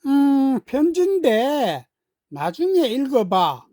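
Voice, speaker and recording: A woman voicing a bright, curious young girl in a children's story, playful and eager as she teases and cheers on her mom. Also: sits high, sing-song, takes it slowly, no echo, studio quality, pitched above the performer's own voice, exaggerated voice. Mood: coy.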